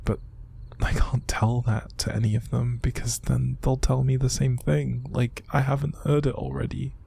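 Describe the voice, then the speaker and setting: Breathy, gravelly, downcast young man, acted. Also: medium pitch, little pitch movement, heavily acted. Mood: weary, fed up. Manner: halting, sighing, hushed, naturalistic delivery. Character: upset, exhausted young man bottling up his sadness. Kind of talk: intimate audio roleplay monologue to an unseen listener.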